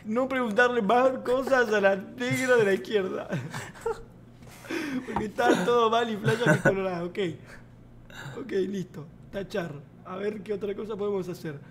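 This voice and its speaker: A man's voice: high voice, steady tone, measured pace, crowd noise. A young Argentine man streaming, improvising comic dubs in a playful, mocking way. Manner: playful, mocking, loud laughing outbursts.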